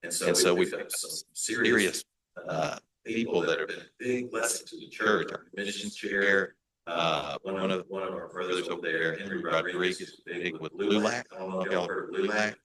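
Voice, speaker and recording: A male pastor with a Hispanic American accent, giving a relaxed presentation to a church meeting, with frequent fillers and restarts. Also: sits low, moderate pace. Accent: Hispanic American English. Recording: echoey meeting room.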